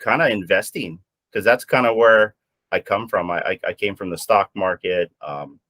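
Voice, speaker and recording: A man's voice: lowish voice, normal speed, a bit bright, no echo, clean studio sound. A man from Hawaii chatting casually on a panel, a little nervous, stammering and rambling. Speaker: guest panelist. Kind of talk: casual chat.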